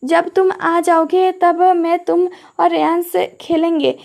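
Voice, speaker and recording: An innocent, childlike young woman, as a woman narrator reads her in an audio story. Her voice sits very high and gravelly, and the pitch stays flat. She talks in simple, pleading phrases. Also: slow, heavily acted. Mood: sweet.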